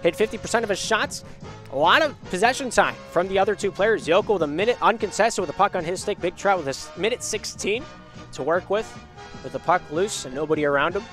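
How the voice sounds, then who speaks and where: A young man calls a live esports match in a slightly high voice, hoarse from a week of illness. His commentary is quick and lively, with energy that climbs on shots and goals. Faint music plays behind him. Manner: energetic, rising on shots and goals, chatty asides to chat.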